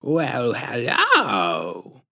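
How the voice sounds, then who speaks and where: A man voicing a huge, creepy, patronizing woman in a storybook, with a squishy-throated lisp and syrupy, drawn-out baby talk. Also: mid-range voice, huge pitch swings, vocal fry, pushed and bright, exaggerated voice. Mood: sickly sweet.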